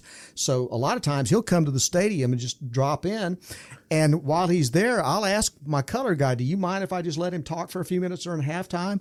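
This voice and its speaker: Lively intonation and a fairly quick pace mark this high-pitched man. His sound is dry and close, with no echo. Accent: East Texas. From Texas. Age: 60s. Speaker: sports broadcaster. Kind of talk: casual chat.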